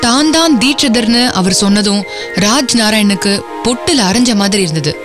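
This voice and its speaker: A woman tells a story for a radio drama in colloquial, scripted narration. Her pitch is medium. Music plays clearly behind her. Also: expressive, moderate pace.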